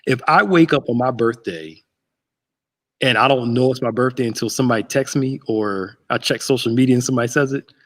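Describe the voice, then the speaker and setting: Guy in his 30s, pastor host, easygoing and jokey, bit husky. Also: mid-range voice, a little fast. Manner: laid-back, joking, laughs often. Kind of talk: casual livestream chat. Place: church sanctuary.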